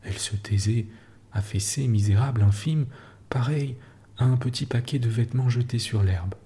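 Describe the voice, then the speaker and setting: A man reading a literary story aloud in a calm, slow bedtime style, sometimes dropping to a whisper, close to the mic. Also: medium pitch. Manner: slow, hushed, soothing delivery, dropping at times to a whisper. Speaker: narrator.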